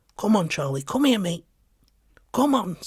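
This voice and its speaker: A man's put-on character voice, high-pitched, at a moderate pace, in a very clean recording with a silent background. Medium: read story.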